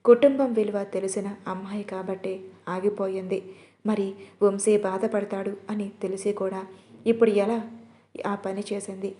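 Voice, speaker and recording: Scheming female accomplice, conspiring, mellow dark tone, voiced by a woman narrator, audio storybook. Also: mid-range voice, flat delivery, normal speed, natural voice.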